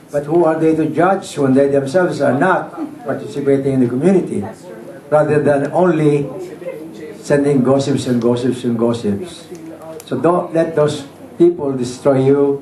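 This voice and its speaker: A man with a Filipino accent giving a speech at a community party, mixing Tagalog into his English and speaking into a handheld microphone. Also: a little high. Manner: mixes Tagalog into English, warm earnest address. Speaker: event speaker. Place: crowded living room at a party. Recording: roomy, crowd noise behind.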